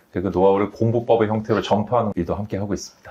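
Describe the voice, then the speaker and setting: A man talks at a very fast pace. His pitch is fairly low and his tone is dark and mellow. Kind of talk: refined, clean, lawyerly.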